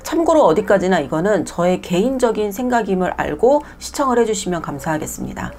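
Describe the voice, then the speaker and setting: A woman's voice: mid-range voice, a little mellow. A woman who owns a nail salon, ranting bluntly and with exasperation in a casual vlog monologue, mixing polite and plain speech.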